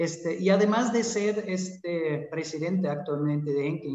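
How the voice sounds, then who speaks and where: There is audible room echo around a man who speaks with a high pitch in a German accent. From Germany. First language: German (speaking Spanish). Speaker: corporate executive. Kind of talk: conference keynote. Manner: frequent fillers and hesitations.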